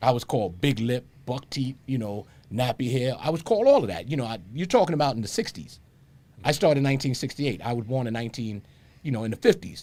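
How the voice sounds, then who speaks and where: Talking at a very fast pace, a man with an American accent has a medium pitch. His intonation is lively. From New York City, Lower East Side of Manhattan. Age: 60s. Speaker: martial arts teacher. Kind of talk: interview.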